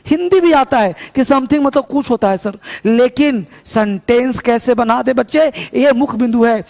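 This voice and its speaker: A man teaches spoken English, slowly drilling short phrases for his listeners to repeat. His voice sits very high and slightly gravelly, and it carries through a large room with a long reverb tail. Every phrase is delivered deliberately. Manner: drills phrases in call-and-response, slow and emphatic. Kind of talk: classroom lesson with repetition drills.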